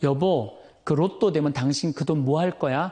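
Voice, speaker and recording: A man does a put-on character voice, nasal and fairly high in pitch. He keeps a moderate pace against a quiet background. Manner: coaxing.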